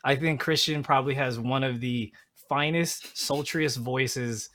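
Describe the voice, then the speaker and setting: A man hosting a podcast in a casual chat, animated and quick to laugh. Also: medium pitch. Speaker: podcast host.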